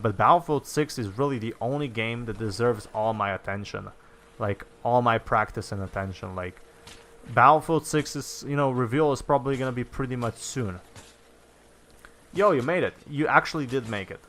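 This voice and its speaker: Young male streamer from Slovenia, mid-pitched, loose and rambling, heavy on fillers, easy chat with viewers. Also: a bit bright, a little hiss or hum. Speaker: gaming streamer. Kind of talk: casual livestream chat, answering viewer comments.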